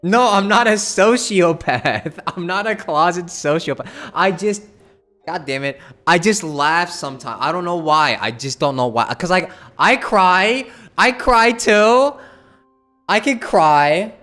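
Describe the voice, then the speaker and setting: A man's voice: high-pitched, lively intonation, a little slow, bright, forceful tone. A man chatting casually while streaming a game, rambling, repeating himself and swearing. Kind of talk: casual live game commentary. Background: game music.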